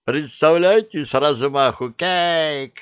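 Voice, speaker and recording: A man voicing the giddy left head of a three-headed dragon in a storybook reading, giggling and high. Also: animated, slow, no room sound, highs cut off.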